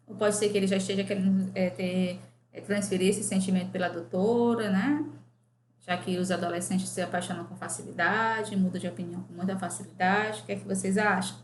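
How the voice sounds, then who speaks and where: A woman's voice: mid-range voice, fairly even intonation, a little fast. A woman teacher correcting grammar exercises for a class, reading questions aloud and often checking in with "né?". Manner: reads exercises aloud, asks the class, frequent "né?". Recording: echoey room with faint ambient noise.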